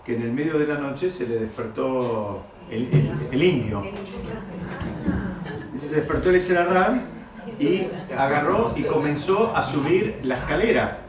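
Man, Talmud teacher, animated storyteller, echoey hall, faint background noise. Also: mid-range voice. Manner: animated storytelling, repeats key phrases. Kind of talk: lecture to students. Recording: echoey room, mic far off.

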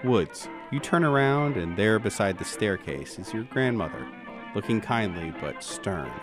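A man's voice: on the low side, expressive, unhurried, music in the background. A man narrating scenes dramatically as game master of a roleplaying audio drama.

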